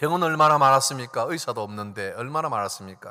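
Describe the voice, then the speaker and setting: A man speaks with a bright, sharp tone and vocal fry. His pitch swings very widely. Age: 60s. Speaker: pastor. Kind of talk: sermon. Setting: church service.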